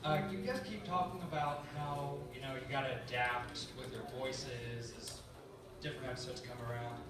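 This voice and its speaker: A man's voice: medium pitch, normal speed, noisy background. A man in the audience putting questions to a panel, hesitant and opening with "uh.". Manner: hesitant, starts with "uh" and "um". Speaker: audience member asking questions. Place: large convention hall. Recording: echoey hall, far from camera.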